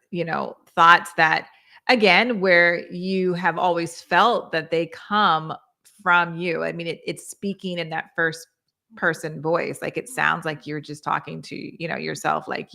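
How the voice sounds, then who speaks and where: A woman's voice: lowish voice, steady tone, takes it slowly, gravelly, sharp tone. A woman therapist co-hosting a mental health talk show, earnestly explaining how she helps clients with everyday examples. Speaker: co-host, therapist.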